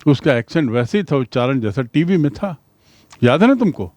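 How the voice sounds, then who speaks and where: A male English teacher giving a lesson in Hindi, reading English lines slowly and then explaining them word by word. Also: mid-range voice, very animated, darkish tone.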